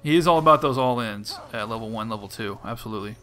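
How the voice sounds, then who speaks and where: A man casting a video game match live, giving joking, quick play-by-play. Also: on the low side, soft background music. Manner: fast, bright, joking play-by-play. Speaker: esports caster.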